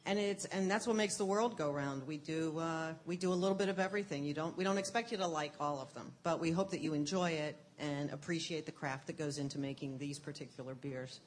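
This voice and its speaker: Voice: medium pitch, a little fast, hardly any pauses, slight background noise. A speaker who runs craft beer classes, explaining them earnestly in casual chat with some fillers.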